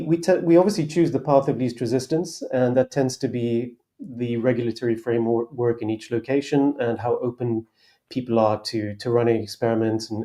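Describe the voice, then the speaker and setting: A man speaking as a guest on a panel, explaining his company's work in a relaxed way, pausing often with fillers and restarts. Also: mid-range voice. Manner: relaxed, hesitant with many fillers. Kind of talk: casual panel discussion.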